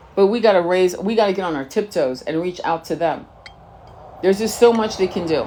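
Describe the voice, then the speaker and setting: A woman speaks at a fairly quick pace with ordinary pitch variation. Her pitch is medium, and there is noticeable background noise. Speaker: tarot reader. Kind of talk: casual spiritual talk to viewers. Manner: halting, many repetitions and fillers.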